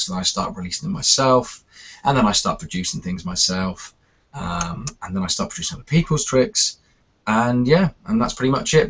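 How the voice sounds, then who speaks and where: Easygoing man with an English accent. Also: mid-range voice. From Wales. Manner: relaxed, self-deprecating. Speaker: guest magician. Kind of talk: casual video chat. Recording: lo-fi web call audio.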